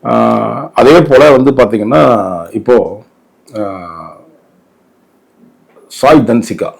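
A man's voice: mid-range voice, slow pace, creaky, husky. A man with a Tamil Nadu accent giving opinionated interview commentary in an emphatic, indignant way, often posing rhetorical questions.

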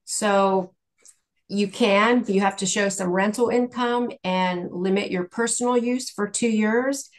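A woman with a mid-pitched voice speaks as a guest expert in a question-and-answer session. She explains things carefully and in measured steps, like someone walking through regulations point by point. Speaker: guest speaker, tax exchange specialist.

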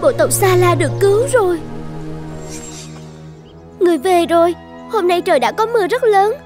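High-pitched, devout young tribal maiden played by a woman. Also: animated, normal speed, darkish tone, faint music behind. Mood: grateful wonder. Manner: earnest, reverent. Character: devout, self-sacrificing young tribal maiden pleading to a god. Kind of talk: dubbed animated folktale acting.

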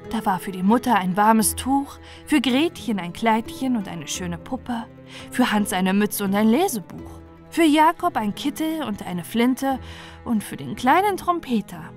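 A woman with a fairly high voice narrates a bedtime fairy tale expressively. Music plays softly behind her. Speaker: storyteller.

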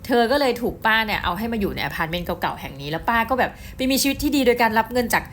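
A woman's voice: mid-range voice, rapid-fire, a little hiss or hum. Chatty middle-aged woman reviewing books. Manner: chatty, addresses viewers directly, excitable storytelling. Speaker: book reviewer. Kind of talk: casual book review.

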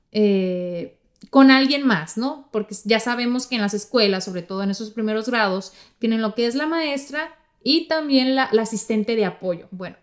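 Chatty Mexican woman, slightly high voice. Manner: chatty storytelling, talks straight to listeners. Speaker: podcast host. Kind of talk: casual podcast monologue.

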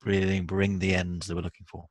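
A very deep-voiced man speaks calmly on a video call, carefully mirroring what he has heard. The sound is dry and close, with no room around it. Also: brisk, no echo. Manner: calm, reflective paraphrasing. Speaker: listener reflecting back in an empathy circle. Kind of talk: casual video call discussion.

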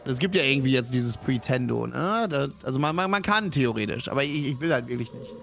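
A man's voice: mid-range voice, expressive, brisk, creaky, a bit bright, a little hiss or hum. A man from northern Germany giving casual, colloquial gaming commentary as a teasing backseat co-host, often repeating himself. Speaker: co-host of a gaming let's play, backseat advisor.

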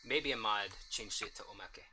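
A young man talks loosely through a game stream, his voice bright but worn hoarse. He rambles and thinks aloud with plenty of ums. A faint hiss sits under the mic. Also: lowish voice, moderate pace. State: hoarse, coughing. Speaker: streamer reading a visual novel aloud. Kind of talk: casual let's-play commentary.

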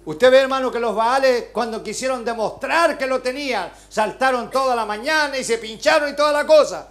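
A man with a Chilean accent preaching a sermon, moving between soft, confiding talk and fervent shouting. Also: very high-pitched, fairly quick. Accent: Chilean Spanish. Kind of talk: Pentecostal-style sermon. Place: church hall. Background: congregation calling out amens.

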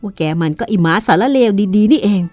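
A woman's voice: mid-range voice, animated, brisk, dark tone, soft background music, voice pushed up, natural voice. A woman reading aloud and voicing an angry young man who gives furious commands. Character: angry young man defending his sister.

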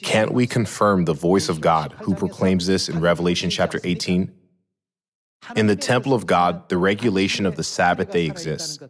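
A middle-aged man preaching a sermon at a pulpit, measured and posing rhetorical questions he then answers. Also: low-pitched. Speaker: pastor. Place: large church hall, at a pulpit. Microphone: podium microphones.

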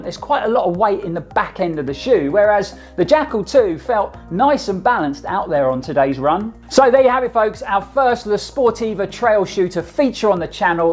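Energetic middle-aged male reviewer, chatty to camera, faint music bed. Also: high-pitched. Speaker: running shoe reviewer. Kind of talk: upbeat gear review to camera. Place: small home studio, indoors.

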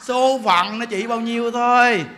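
A man's voice: very high-pitched, steady tone, a little slow, pushed and bright. A man in his forties with a Southern Vietnamese accent, a monk giving a humorous Buddhist sermon, chatty, laughing often and firing rhetorical questions at his listeners. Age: 40s. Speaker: monk giving a Dharma talk.

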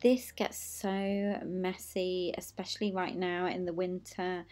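A woman's voice: fairly low pitch, level tone, slow pace, a little mellow. A young adult woman from the UK, chattily narrating a cleaning vlog voice-over for her viewers. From United Kingdom. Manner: chatty, friendly explaining to viewers. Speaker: cleaning vlogger.

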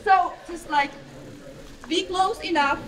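A woman in her thirties from Finland with a Finnish accent, teaching a live jiu-jitsu technique class in a loud, plain, halting way. She is recorded by a far camera in a large, bright mat hall with windows. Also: extremely high pitch, slight background noise.

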